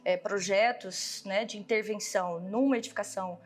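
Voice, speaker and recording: A woman's voice: medium pitch, fairly even intonation, moderate pace. A woman with a Brazilian accent giving an explanatory interview answer, often checking in with short tag questions.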